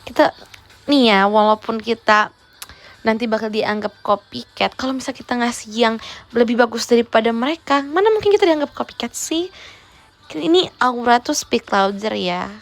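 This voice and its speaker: A woman's voice: a little high, expressive, moderate pace. A young woman, chatting teasingly in a playful role-play livestream and dropping in English words. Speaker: idol livestreamer.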